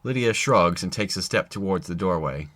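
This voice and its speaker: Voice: low-pitched, animated, normal speed, fairly bright tone. A narrator reading scripted story narration for an audio drama.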